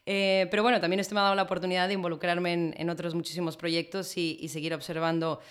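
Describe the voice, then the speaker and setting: A woman's voice: fairly low pitch, little pitch movement, fast. A woman in her late twenties with an accent from Spain, answering conversationally as a podcast guest.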